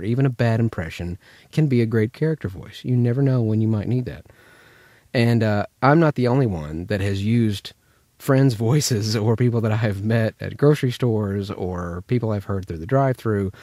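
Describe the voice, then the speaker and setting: An American man gives an informal voice acting lesson. His voice is on the low side, and he talks in a chatty, anecdotal way. The recording is dry, with little room sound. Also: mellow, no echo. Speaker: voice actor teaching impressions. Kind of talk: casual tutorial chat.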